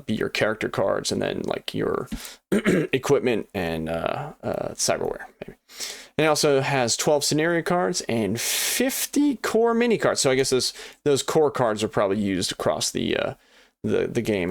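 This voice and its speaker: Gravelly, rambling unboxing host, a man. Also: lowish voice, no room sound. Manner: rambling, many fillers and restarts, chatty and apologetic. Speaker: board game channel host. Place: home desk.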